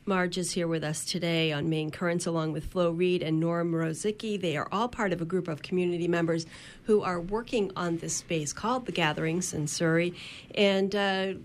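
A woman's voice: on the low side, steady tone, moderate pace, a little hiss or hum. A woman hosting a radio talk show, introducing guests and taking calls in a conversational way. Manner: conversational, with some fillers. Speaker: radio host. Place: radio studio.

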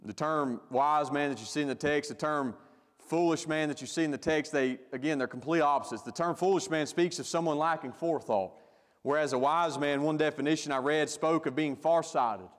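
A male pastor preaching a sermon with emphatic delivery, growing louder when he stresses a point. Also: on the high side, fairly quick, in a large hall.

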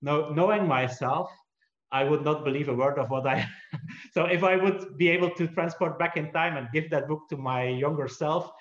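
Halting man with Dutch roots. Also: on the high side. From Belgium. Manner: halting, frequent restarts, self-deprecating humor. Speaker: entrepreneur and author, interview guest. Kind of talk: conversational interview answer. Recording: roomy, slightly dull recording.

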